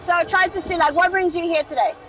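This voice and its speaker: Bubbly French-accented woman, very high voice. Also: fairly even intonation. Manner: bubbly, eager, quick questions. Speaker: sideline fan interviewer. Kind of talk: upbeat roving stadium interviews. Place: outdoor stadium plaza. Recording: loud music and crowd, mic at a distance.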